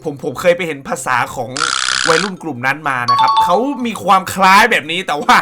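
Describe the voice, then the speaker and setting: A young man hosting a casual comedy reaction show, loud and crude, with frequent exclamations. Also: a little high, animated, a little fast, over loud music. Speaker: reaction video host.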